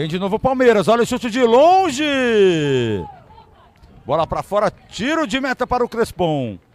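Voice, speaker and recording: Crowd noise fills the background as a man talks at a moderate pace. His voice is high-pitched with very wide pitch swings. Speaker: football match commentator. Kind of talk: live sports commentary.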